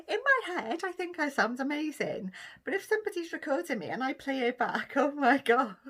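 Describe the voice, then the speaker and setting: A middle-aged Welsh woman from Cardiff, chatting casually through a list of questions for her vlog, with frequent ums and laughter. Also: high-pitched. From Cardiff, Wales. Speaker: vlogger. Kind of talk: casual chat answering a question tag.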